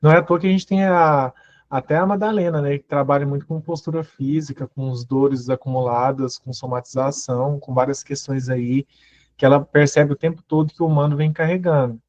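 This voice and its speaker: A man's voice: fairly high pitch, steady tone, fairly quick, a little mellow, no echo. A man giving a motivational growth talk, asking the audience question after question. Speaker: personal growth speaker. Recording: dull, muffled audio.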